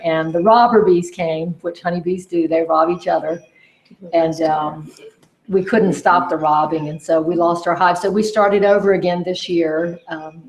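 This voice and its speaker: Woman beekeeper, lowish voice, candid and plain, echoey hall. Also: a little mellow. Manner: candid, self-critical storytelling. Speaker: beekeeper panelist. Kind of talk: casual panel discussion. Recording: roomy hall echo.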